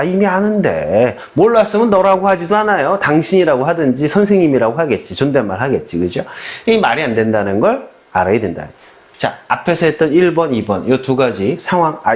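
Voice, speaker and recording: Male English teacher from Korea, higher-pitched and highly expressive, quizzes the viewer and acts out example lines. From South Korea. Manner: animated, keeps asking the viewer questions and acting out quoted lines. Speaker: English grammar instructor. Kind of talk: lively spoken grammar lecture.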